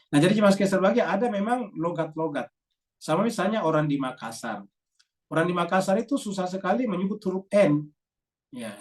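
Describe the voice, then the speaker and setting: A man, an Islamic teacher, giving a religious lecture to a congregation and explaining things patiently, often repeating key words and adding a drawn-out "ya". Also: a little high, far from the mic.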